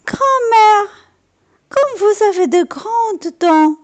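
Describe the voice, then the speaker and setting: A bright, innocent little girl in a red hood, as a woman storyteller puts her on. Her voice sits far above the teller's own and swoops freely as she exclaims. It is a storybook reading, slow and lively. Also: exaggerated voice. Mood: amazed. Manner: high, wide-eyed and exclaiming.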